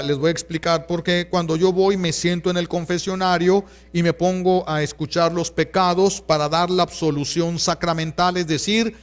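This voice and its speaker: Preaching with earnest pastoral warmth, this Catholic priest speaks in a male voice that sits high, carrying a Mexican Spanish accent. He keeps returning to key phrases to stress them.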